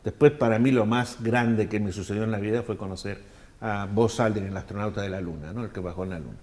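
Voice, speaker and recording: An older man from Argentina, telling long animated anecdotes in an interview and acting out the people he quotes. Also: on the low side, a little fast. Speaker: world traveler telling his story. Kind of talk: storytelling interview answers.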